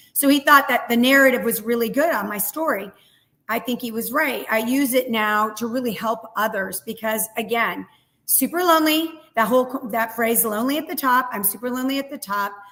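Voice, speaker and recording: Her tone is bright and sharp, with a fairly high pitch and ordinary pitch variation. The woman talks at a fairly quick pace. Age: 60s. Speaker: mortgage company executive. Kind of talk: interview.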